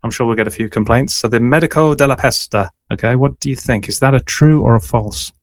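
A man's voice: mid-range voice, brisk, dry recording. A man hosting a conversational interview, explaining things in a loose, hedging way. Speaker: interviewer, host.

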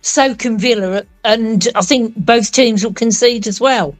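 A woman's voice: a little high, measured pace, soft background music. A woman on a radio sport panel, polite and a little apologetic as she gives her view.

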